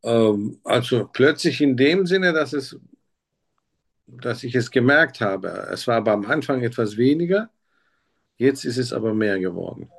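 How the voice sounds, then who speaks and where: A man's voice: mid-range voice, expressive, a little slow. A man playing a patient in a practice doctor interview, talking in a hesitant way and searching for his words. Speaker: simulated patient. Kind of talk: role-played doctor-patient practice talk.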